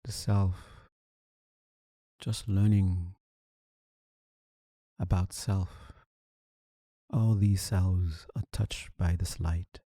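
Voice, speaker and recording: A man leading a guided meditation, calm and soothing, speaking in deliberate short phrases with long pauses. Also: low-pitched, no echo, clean studio sound. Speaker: meditation teacher.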